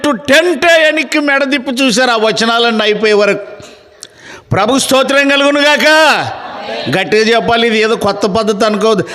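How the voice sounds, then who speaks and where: Pastor, male, high-pitched, stern sermon delivery building to emphatic declarations, long hall reverb. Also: sharp tone. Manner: stern, rising to emphatic preaching. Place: church meeting.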